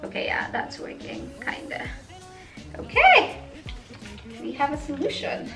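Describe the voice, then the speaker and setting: A woman's voice: high voice, steady tone, normal speed. A young woman chatting through a hair tutorial vlog, playful and sassy with giggly asides. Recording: echoey room with faint music.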